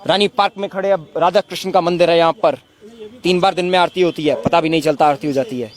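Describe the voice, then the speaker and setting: A man's voice: a little high, steady tone, quick pace. A man making an impassioned, emphatic statement to reporters at a protest, full of indignant rhetorical questions. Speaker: protest spokesman.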